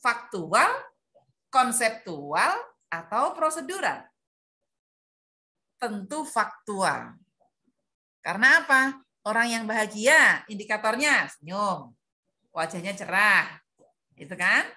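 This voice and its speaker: Bright-voiced woman leading a workshop. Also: medium pitch, very animated, slow pace, long pauses. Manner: questioning, drills the audience, calls out participants by name. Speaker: workshop presenter for preschool teachers. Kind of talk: online workshop teaching. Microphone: video call.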